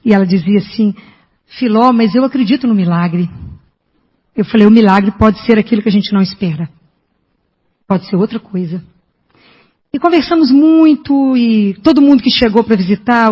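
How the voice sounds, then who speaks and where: A woman with a Brazilian Portuguese accent giving an emphatic preaching testimony as a lay Catholic preacher, often asking her listeners rhetorical questions. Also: on the high side. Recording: dull lo-fi recording with long hall reverb.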